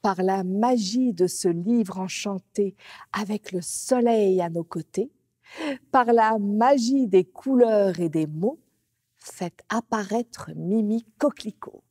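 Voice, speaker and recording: A woman storyteller gently addressing children in a slow sing-song manner on a children's TV show. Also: mid-range voice, dry recording.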